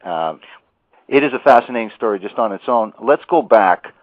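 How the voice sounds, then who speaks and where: A man hosting a radio interview, asking his questions haltingly, with pauses and filler words. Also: on the low side, expressive, no echo. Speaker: radio host. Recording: dry tinny phone-like audio.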